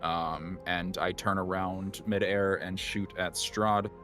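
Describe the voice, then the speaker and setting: A man with a very deep voice plays a tabletop game, working out his moves aloud with frequent ums and pauses. Faint music plays in the background. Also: fairly even intonation, a bit bright. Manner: thinking aloud with many ums. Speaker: player.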